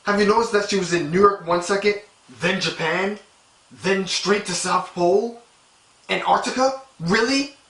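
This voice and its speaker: A man's voice: high-pitched, moderate pace, a bit bright, echoey room, distant mic. A man playing an agitated, suspicious weatherman in a news broadcast parody. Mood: alarmed. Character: excitable, paranoid male TV weatherman.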